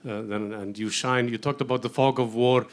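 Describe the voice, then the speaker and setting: A man with an Icelandic accent putting a question from the audience in a measured, halting way. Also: medium pitch, steady tone. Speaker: audience member asking a question. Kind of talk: spoken question at a public discussion.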